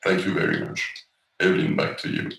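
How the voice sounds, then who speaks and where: A man giving a presentation at an online conference in a halting, hesitant way. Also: sits low, fairly even intonation, creaky, fairly bright tone. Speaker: organization representative speaking at online event. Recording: roomy, distant mic with faint noise.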